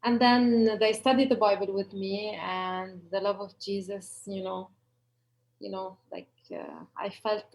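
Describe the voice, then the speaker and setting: A woman of middle pitch speaking as an interview guest. She tells her story earnestly, pausing and filling gaps with hesitant asides. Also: level tone, vocal fry, darkish tone, low-quality recording. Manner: earnest, hesitant with fillers like you know. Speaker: church leader, radio and TV host, guest.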